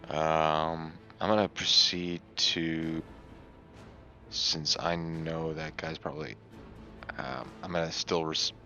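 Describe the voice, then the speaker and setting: A man's voice: extremely low pitch, level tone, takes it slowly, bright, forceful tone, soft background music. A man chatting casually as a player in a tabletop game, on dull lo-fi audio.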